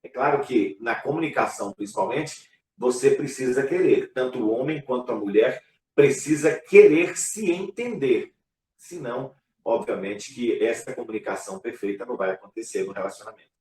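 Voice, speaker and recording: A man, a pastor, talking casually in a church live broadcast, relaxed and conversational with frequent fillers. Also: mid-range voice, moderate pace, recorded from a distance. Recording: echoey room, voice from afar.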